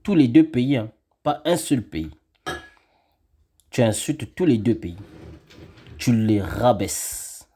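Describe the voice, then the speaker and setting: A man from Congo rants at a rival in an indignant, scolding monologue, repeating his points again and again. His voice sits low, dark and a little husky. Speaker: online commentator. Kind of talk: angry monologue reacting to a video.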